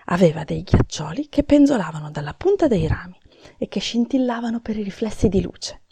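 Gravelly, mellow woman telling a story. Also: medium pitch, expressive, brisk, no room sound. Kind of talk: children's storybook narration.

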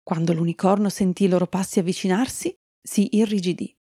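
A woman narrating a fairy tale for children, telling it in a calm storytelling manner and greeting young listeners at the end. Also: lowish voice, brisk, husky, no echo, clean studio sound.

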